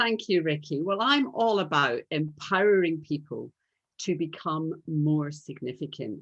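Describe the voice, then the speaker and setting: A woman talks at a moderate pace with a slight Scottish accent and very wide pitch swings. The background is quiet. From Scotland, Glasgow. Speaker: speaker and trainer. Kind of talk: interview.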